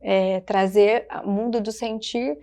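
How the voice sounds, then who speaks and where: A woman with a Brazilian Portuguese accent, a child development specialist speaking gently and reflectively in short phrases on a podcast. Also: mid-range voice, steady tone, slow. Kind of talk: podcast conversation.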